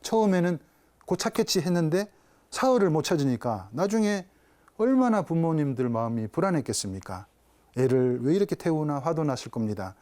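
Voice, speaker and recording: A man's voice: on the high side, very animated, fairly quick, warm tone. A man, a Catholic priest, giving a televised spiritual talk, telling a story and asking his listeners rhetorical questions.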